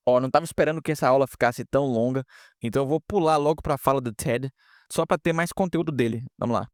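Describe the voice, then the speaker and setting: A man's voice: mid-range voice, fast, dry recording, studio quality. A man teaching English pronunciation in a casual online lesson, explaining step by step and often checking in with students.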